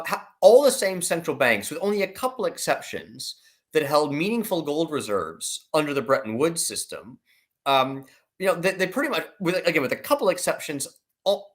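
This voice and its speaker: A man's voice: on the high side, big pitch swings, moderate pace. A man speaking as an analyst guest, explaining things emphatically in conversational commentary and posing rhetorical questions.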